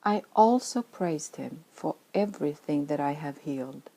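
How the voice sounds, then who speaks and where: Slow, low-voiced Swedish woman reading. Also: dark tone, low-quality recording. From Sweden. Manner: earnest, reflective, at times dropping to a whisper. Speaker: author reading her own story. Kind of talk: reading a personal spiritual memoir.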